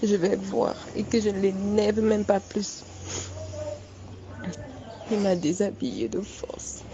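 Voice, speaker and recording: A young adult woman giving a personal testimony, recounting events in a halting, repetitive, shaken way. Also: medium pitch, steady tone. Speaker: witness recounting an assault. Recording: dull lo-fi recording with faint background noise.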